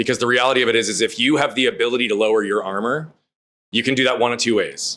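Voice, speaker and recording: A man talks loudly and very fast in a medium pitch. His tone is bright and sharp. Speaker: performance coach. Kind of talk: podcast interview.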